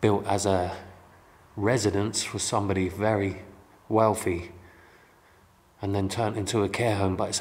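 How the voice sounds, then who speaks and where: Pausing long and often, a man talks at a moderate pace in a fairly low, monotone, flat voice. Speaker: urban explorer vlogger. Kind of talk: casual vlog chat. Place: hall. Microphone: phone near.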